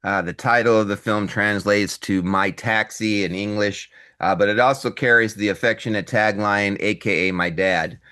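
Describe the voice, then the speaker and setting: Male host reading his interview questions, a crisp, forceful voice sitting somewhat low. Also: fairly even intonation, normal speed. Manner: reads prepared questions, with frequent "uh".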